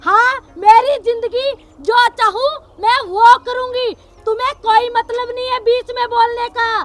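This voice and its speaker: Actress as an older rural headwoman mother-in-law, domineering and scolding, very high-pitched. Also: fairly even intonation, unhurried, background noise.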